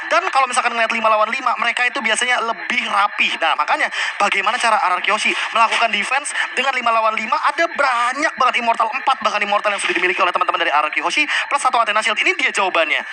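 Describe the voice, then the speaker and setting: A man's voice: high voice, very fast. A man analyses a video game match live in casual, emphatic speech, often repeating his words. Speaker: esports analyst commentator. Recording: very noisy live broadcast.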